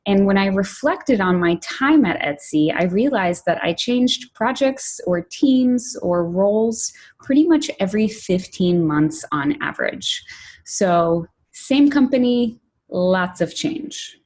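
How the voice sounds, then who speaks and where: A woman from Poland, raised in New York, giving a prepared conference talk as a product director, measured and clear, with lists and emphasis. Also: medium pitch, lively intonation, a little mellow. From Poland, raised in New York City.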